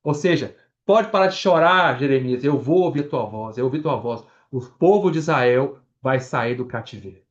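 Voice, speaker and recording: A man's voice: medium pitch, normal speed, hardly any pauses, darkish tone, highs cut off. A Brazilian man with a Brazilian Portuguese accent preaching a Bible-study sermon, reading scripture aloud verse by verse, restarting words and explaining as he goes to the congregation. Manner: addresses the congregation directly.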